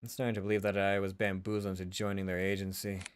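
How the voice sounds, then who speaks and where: A man's voice: low-pitched, completely flat delivery, quick pace, close to an everyday voice. Man playing Hugo, grumbling weary detective of thirty. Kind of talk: visual novel character reading.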